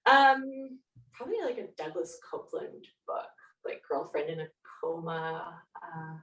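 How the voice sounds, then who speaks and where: A Canadian woman with a slightly low voice chats as an interview guest. She sounds set back from the microphone in an echoey room. Her manner is reflective, working out her thoughts aloud. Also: animated, unhurried, a bit bright. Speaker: podcast guest, nonfiction author. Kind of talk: casual interview conversation. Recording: roomy echo, distant from microphone.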